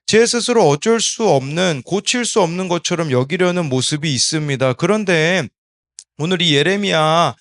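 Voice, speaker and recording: A man in his thirties, a pastor, giving an early-morning Bible devotional in a measured, explanatory way and addressing the congregation. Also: a little high, animated, a bit bright. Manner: sometimes slips into regional dialect speech. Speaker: associate pastor, son of senior pastor.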